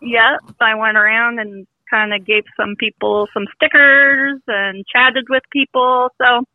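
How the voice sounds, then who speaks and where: A woman's voice: fairly high pitch, steady tone, a little slow, dry recording. Woman talking over a tinny phone line. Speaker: caller. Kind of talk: casual chat.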